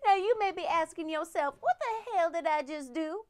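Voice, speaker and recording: A woman's voice: extremely high pitch, expressive, moderate pace, noisy background. A woman playing a brash, self-satisfied rockabilly burlesque hostess with showy emcee patter in a comedy monologue. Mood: showy, smug.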